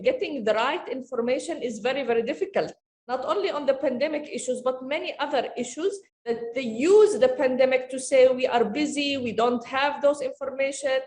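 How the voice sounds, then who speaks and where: A woman, answering as a panelist in an earnest, measured way with frequent pauses and fillers. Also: a little high, darkish tone. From Jordan. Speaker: panelist, media organization director. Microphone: video call. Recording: echoey room over a video call.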